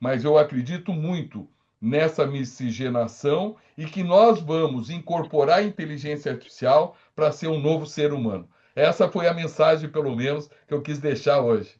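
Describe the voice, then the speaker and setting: Somewhat breathy, fairly high male voice at a moderate pace, with ordinary pitch variation against a quiet background. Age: 70s. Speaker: economics professor. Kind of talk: lecture Q&A.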